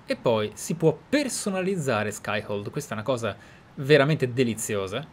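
With a mid-range voice at a moderate pace, this Italian-accented man hosts a casual let's play, his commentary very animated, musing and enthusiastic. Game ambience sits clearly in the background.

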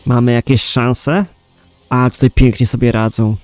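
A man's voice: medium pitch, little pitch movement, a little slow, darkish tone, clean tone, no echo. A man giving casual let's play commentary as a gamer, reacting in short asides and swearing. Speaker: gaming streamer. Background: game music.

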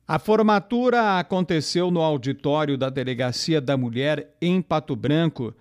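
A male reporter reading a scripted local news report in a measured, formal way. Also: on the high side.

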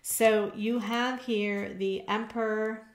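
A woman of middling pitch reads tarot cards for her viewers. She talks casually and keeps checking in with little "okay?" asides. Her voice rings a bit in an echoey room. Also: fairly even intonation, slow pace. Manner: conversational, frequent "okay?" check-ins. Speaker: tarot reader. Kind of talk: tarot reading to camera.

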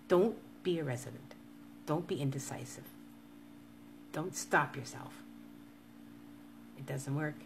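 Her low-pitched voice has vocal fry, and a faint hiss or hum runs underneath. A woman in her fifties, she chats casually to her live-stream viewers, earnestly urging them on over and over.

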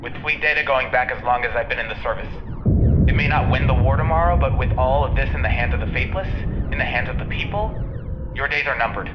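Defiant son over very noisy radio. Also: male voice, mid-range voice, fast talker. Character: defiant, mocking son of a space admiral. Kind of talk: audio drama acting. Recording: dull, very noisy radio transmission.

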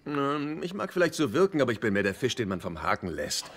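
A man's voice: mid-range voice, very animated, fast. An actor playing a hapless, self-pitying, hesitant middle-aged man who stammers and repeats himself in a German sitcom dub. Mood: awkward.

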